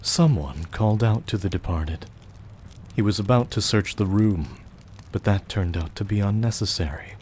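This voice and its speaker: A man narrating a scripted audio drama in a measured storytelling manner. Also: fairly low pitch, a little mellow, close to an everyday voice. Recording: faint background noise.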